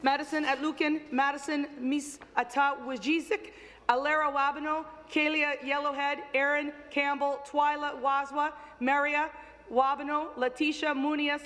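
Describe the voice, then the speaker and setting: A woman's voice: high-pitched, level tone, moderate pace, a bit bright, in a large hall. A woman from Nova Scotia giving an earnest, formal speech as a legislator in a legislative chamber. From Nova Scotia, Canada. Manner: earnest, with frequent fillers when speaking off the cuff.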